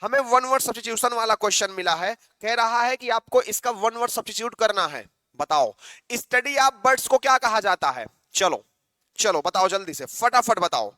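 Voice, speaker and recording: A man teaching an online exam-prep English lesson, coaxing students to answer quickly and reading the options out slowly. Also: sits high, bright, forceful tone, clear, resonant tone, dry recording. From Northeast India.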